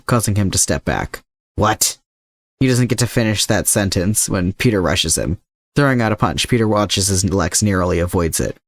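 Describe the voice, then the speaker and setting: A man's voice: on the low side, dry recording, studio quality. A man reading scripted fiction aloud as the narrator of an adventure story. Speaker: fan fiction podfic narrator.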